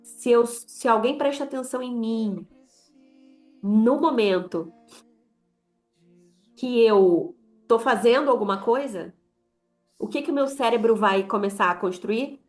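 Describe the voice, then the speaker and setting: A woman's voice: fairly high pitch, measured pace, pauses often, faint music behind. A young adult woman with a Brazilian Portuguese accent giving an informal sermon to women, talking in a conversational way and acting out quoted voices. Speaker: women's ministry leader.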